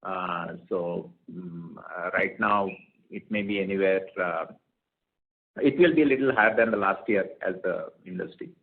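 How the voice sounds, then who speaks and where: A man, a company executive answering questions on an earnings call in halting phrases with repeated words. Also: low-pitched, a little hiss or hum. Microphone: telephone conference call. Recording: tinny narrowband conference phone line.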